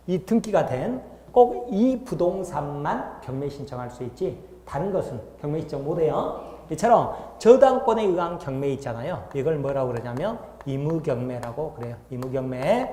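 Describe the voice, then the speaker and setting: Animated male lecturer in an echoey hall. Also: a little high, slight background noise. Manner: asks the class frequent check-in questions. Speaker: law lecturer. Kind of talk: classroom lecture.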